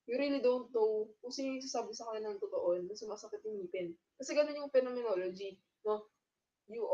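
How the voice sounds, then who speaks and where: A woman's voice: fairly high pitch, warm tone. Filipino woman lecturing in a lo-fi recording. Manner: switches between Tagalog and English, keeps adding a questioning "no?". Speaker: teacher.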